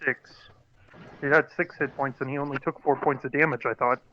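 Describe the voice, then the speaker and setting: A man's voice: mid-range voice, steady tone, a little fast, a little hiss or hum. A man chatting casually as a player in a tabletop game, over dull lo-fi voice-chat audio.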